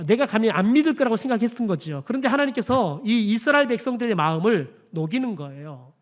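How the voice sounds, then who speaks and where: A male pastor delivers a Sunday sermon in a high, very animated voice that rises and falls all over. He keeps turning to the congregation with direct questions that he answers himself. His emphatic lines drop into quiet, hushed phrases. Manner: addresses the congregation often as "여러분", asks questions and answers them himself. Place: church sanctuary.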